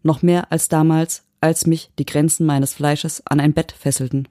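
A woman voicing a possessive smart-home AI that holds a dead husband's mind, speaking calmly and without emotion in an audiobook. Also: low voice, moderate pace, no room sound, clean studio sound, natural voice. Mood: cold, devoted. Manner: emotionless, mechanically patient. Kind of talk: audiobook reading.

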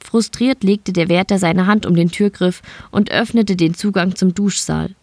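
A woman from Bavaria narrating an audiobook in a steady, measured storytelling manner. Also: lowish voice, no echo. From Bavaria, Germany. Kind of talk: scripted narration.

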